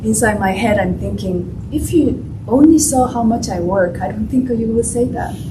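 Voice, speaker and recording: There is noticeable background noise and audible room echo as a woman with a non-native accent speaks at a moderate pace. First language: not English. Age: 40s. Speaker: classical pianist and author. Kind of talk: author talk. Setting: library event with audience.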